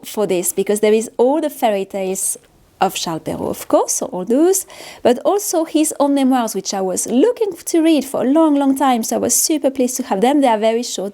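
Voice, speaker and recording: A woman with a French accent talks casually through what she is showing on her studio vlog. Her voice is mellow and relaxed, with little edge. She speaks off the cuff, often repeating a word or correcting herself midway. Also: a little high. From France. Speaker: paper artist hosting a studio vlog. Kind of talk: casual, unscripted show-and-tell.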